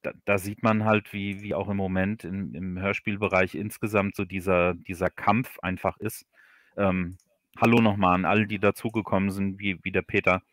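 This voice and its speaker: A man with a fairly deep voice answers questions in a casual livestream interview. He speaks haltingly, often repeating a word before finishing the phrase. The sound is dry, with very little room in it. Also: level tone, a bit bright, no room sound. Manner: halting, repeats words while searching for phrasing. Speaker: guest, audio drama author.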